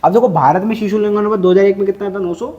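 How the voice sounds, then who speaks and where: A man's voice: sits high, steady tone, racing, dark tone, muffled recording. A man teaching a classroom lecture, quizzing students and drilling numbers through repetition.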